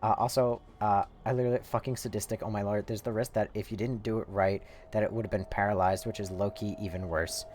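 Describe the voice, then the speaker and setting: A man's voice: on the low side, fairly even intonation, fast talker, few pauses, a little mellow, a little hiss or hum. A man streaming a game, telling a story in a rambling, profane, casual way. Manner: rambling, profane, laid-back.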